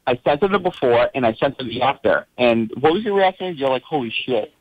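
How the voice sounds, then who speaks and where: A man's voice: medium pitch, lively intonation, fairly quick, no room sound. Guy calling into a show, rambly and hesitant, muffled lo-fi line, dry. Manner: rambling, hesitant, many fillers. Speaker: caller. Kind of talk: casual phone-in chat. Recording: dull lo-fi call line.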